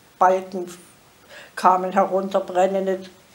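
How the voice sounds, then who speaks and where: A woman talks at a very slow pace and medium pitch, with noticeable background noise. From Dresden. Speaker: Holocaust survivor, contemporary witness. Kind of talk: interview answer.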